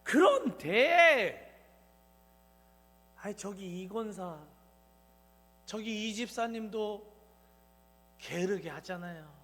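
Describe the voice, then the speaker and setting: Pastor doing a whiny churchgoer pleading excuses, high and drawn out, hall reverb. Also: male voice, lively intonation, slow pace, long pauses, pushed and bright, exaggerated voice. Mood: whining. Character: whining churchgoer making excuses to God.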